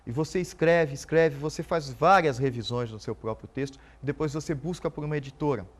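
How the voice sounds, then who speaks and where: A Brazilian man in his forties, a police officer and writer, answering interview questions in an earnest, halting way. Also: fairly high pitch. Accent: Brazilian Portuguese. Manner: earnest, halting, repeats words while thinking.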